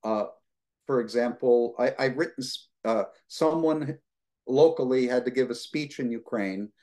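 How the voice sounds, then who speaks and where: An older man from the United States talks through a video call from his home, answering students' questions. His delivery is relaxed and rambling, full of fillers and restarts. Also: mid-range voice, measured pace. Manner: relaxed, rambling, many fillers, gestures with hands. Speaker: guest lecturer. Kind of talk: conversational Q&A answer. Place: home living room.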